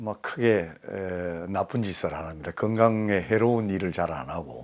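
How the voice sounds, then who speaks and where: Speech comes at a very slow pace, in a Gyeongsang accent. The intonation is lively. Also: man. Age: 60s. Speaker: singer. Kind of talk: interview answer.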